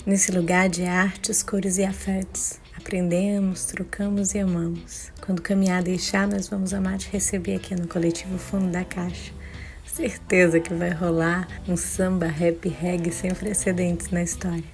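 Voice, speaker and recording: A woman's voice: fairly low pitch, moderate pace. A woman reading a scripted presentation as voice-over. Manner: even, flat delivery. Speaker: show presenter. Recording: voice-over with guitar music behind.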